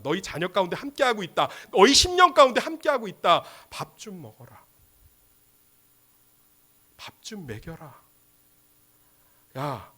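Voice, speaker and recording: A man voicing Jesus as a calm, tender male teacher, speaking in a soft, hushed, fatherly way. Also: on the high side, breathy edge, heavily acted.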